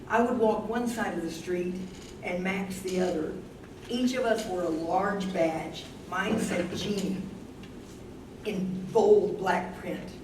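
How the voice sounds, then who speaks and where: Confused older wife played by a woman, wistful, unhurried delivery, staged reading, heard from a distance over noise. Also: medium pitch, close to an everyday voice. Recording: roomy distant stage mic, loud noise.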